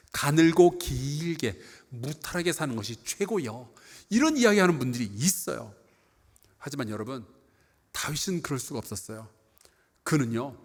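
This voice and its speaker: A middle-aged pastor delivers a sermon from the pulpit in a fairly high, very lively voice that rises and falls with emphasis. He preaches earnestly, asking rhetorical questions and repeating key phrases. The sound carries a long church reverb. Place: church sanctuary.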